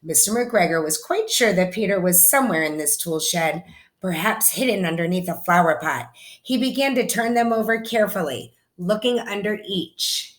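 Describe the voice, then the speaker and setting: A woman reading a children's story aloud in an expressive, animated way, as if to young listeners. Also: medium pitch, normal speed. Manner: animated, explains words and asks listeners questions. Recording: echoey room.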